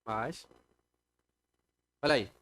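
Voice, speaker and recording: A man's voice: drawn-out words, a bit bright. A man with a Brazilian Portuguese accent teaching a live classroom lecture, explaining step by step and asking the class questions. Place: classroom with students.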